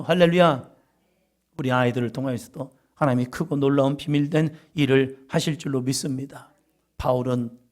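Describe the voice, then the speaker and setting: A middle-aged man preaching a sermon, telling stories with humorous asides and breaking into loud emphasis on key words. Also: medium pitch. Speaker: pastor.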